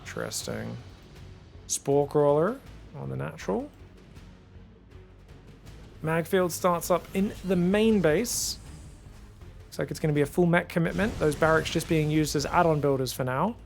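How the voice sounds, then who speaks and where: Young male game caster, high creaky voice, informal and animated, music behind. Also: unhurried, pauses often. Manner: animated, informal, addresses viewers as guys. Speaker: esports commentator. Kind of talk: casual live game commentary.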